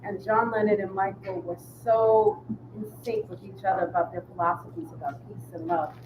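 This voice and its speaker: A woman's voice: mid-range voice, fairly even intonation, moderate pace, noisy background. A woman organizing a fan gathering, speaking to a crowd in an upbeat way.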